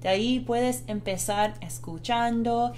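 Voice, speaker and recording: A woman's voice: on the high side, slow, darkish tone, slight background noise. A woman co-hosting a live Spanish lesson, speaking Spanish as a second language with a foreign accent and an earnest manner. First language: not Spanish. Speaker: Spanish teacher and co-host.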